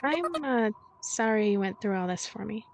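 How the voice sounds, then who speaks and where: A woman's voice: medium pitch, lively intonation, normal speed, natural voice. Woman acting a lonely ghost girl, timid, hesitant, apologetic, subdued, visual novel, background music.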